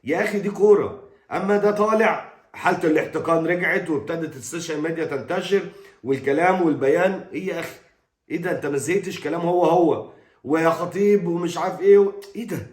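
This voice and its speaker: A man's voice: on the high side, darkish tone, reverberant. A middle-aged Egyptian man giving an exasperated, scolding football opinion monologue. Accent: Egyptian Arabic. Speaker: football commentator.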